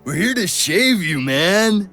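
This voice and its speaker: A man's voice: sits high, sing-song, slow pace, creaky, pushed and bright, faint music behind, heavily acted. A man acting a laid-back, dazed, friendly mercenary in a comic video game role, slangy and easygoing.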